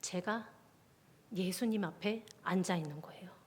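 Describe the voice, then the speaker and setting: Woman preaching with sudden hushed whispers. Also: lowish voice, measured pace, husky. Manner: storytelling testimony, often dropping to a soft whisper. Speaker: junior pastor. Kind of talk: sermon at a midweek prayer service. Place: church sanctuary. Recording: long reverb of a church hall.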